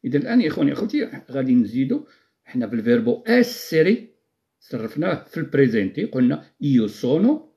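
A man with a Moroccan Arabic accent teaching Italian in a live-stream lesson, repeating words slowly, quizzing his viewers and praising their answers. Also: medium pitch, sing-song, dark tone.

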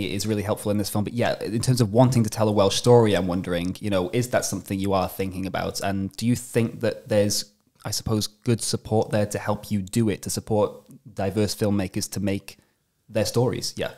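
A man's voice: on the low side, fairly even intonation, fairly quick, a little mellow. A young man asking interview questions, hesitant and full of ums, speaking into a studio mic with headphones. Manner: hesitant, many ums and you knows. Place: room with brick wall and lamps, indoors.

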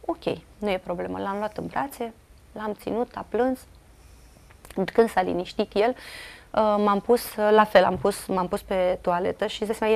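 A woman's voice: medium pitch, vocal fry, darkish tone. A middle-aged woman with a Romanian accent, an interview guest earnestly recounting a personal family story with many fillers and quoted dialogue.

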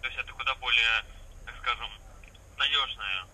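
A man giving a formal, patient phone sales pitch as an investment salesman, heard through a phone speaker in a vehicle. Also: normal speed, sharp tone, a little hiss or hum, poor audio. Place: phone speaker inside a parked vehicle cab.

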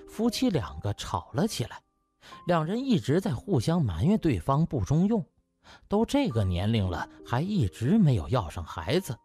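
A man's voice: medium pitch, a little mellow. A man narrating a comic novel as a scripted audiobook, in a dramatic storytelling style.

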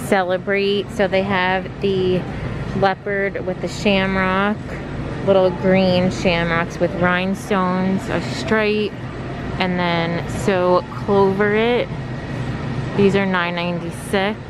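A woman filming herself shopping for clothes in a large store, describing each item slowly, from a handheld phone. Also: medium pitch, level tone, background noise. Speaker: fashion vlogger. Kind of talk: shop-with-me narration. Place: large retail store, indoors. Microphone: handheld phone filming the racks.

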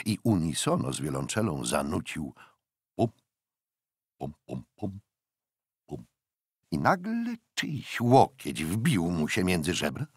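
Deep, gravelly older male storyteller. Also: dry recording, clean studio sound. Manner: expressive, deliberate phrasing with dramatic pauses. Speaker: audiobook narrator. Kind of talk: dramatic literary narration of a historical novel.

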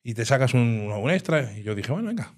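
A man with an animated storytelling manner, recounting his time as a nightclub bouncer in a casual interview. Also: medium pitch, normal speed. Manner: animated storyteller, acts out quoted dialogue.

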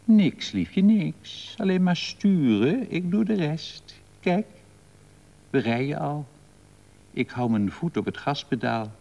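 A man's voice: fairly high pitch, animated, slow, vocal fry, dark tone, voice pushed up, full character voice. Wry older woman, as an old man reads her. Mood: coaxing. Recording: long reverb on old broadcast tape.

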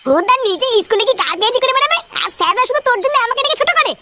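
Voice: very high voice, sing-song, racing, heavy background noise. An actor playing a foul-mouthed, boastful little father in a comic cartoon dub, blustering and quarrelsome. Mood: angry, defiant. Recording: loud music behind the voice.

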